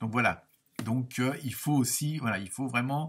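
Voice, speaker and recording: At a fairly slow pace, a man speaks in a somewhat breathy voice of medium pitch with ordinary pitch variation. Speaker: tarot card reader. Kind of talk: tarot reading monologue. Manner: halting, many fillers.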